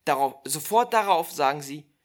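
A preacher giving a sermon, slow and emphatic, repeating key phrases and speaking directly to the listeners. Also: mid-range voice, animated.

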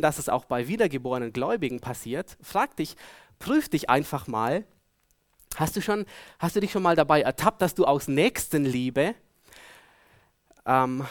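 A man preaching a sermon, earnestly putting searching questions to his listeners and moving between loud emphasis and hushed tones. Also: mid-range voice, no echo, clean studio sound.

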